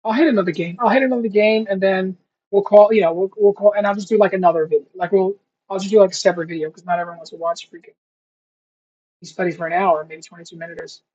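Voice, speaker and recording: A young man with a husky, slightly breathy voice talks to himself while studying, drifting between chatty asides and slow, careful attempts at new words. The sound is dull and lo-fi, like a cheap home setup. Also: sits high, steady tone, a little mellow. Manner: rambling, thinks aloud, sounds out foreign words slowly. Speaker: language learner vlogger. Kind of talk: casual self-talk while studying. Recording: dull lo-fi recording.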